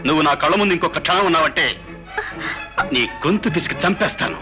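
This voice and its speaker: A man's voice: a little high, fast talker, over loud music, lightly acted. An actor playing a jealous drunken young husband who taunts and threatens his wife in a dubbed film. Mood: scornful.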